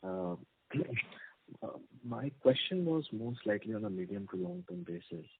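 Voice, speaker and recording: A man, an investment analyst putting formal questions on an earnings call in a deliberate way. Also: fairly low pitch, very animated, vocal fry, a little hiss or hum. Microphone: telephone. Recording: muffled narrowband phone line.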